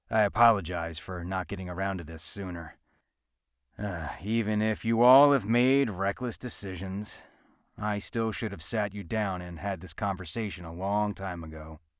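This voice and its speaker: Doing a put-on character voice, a man speaks at a moderate pace in a gravelly, fairly low pitch, with big swings in loudness. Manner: direct, impatient.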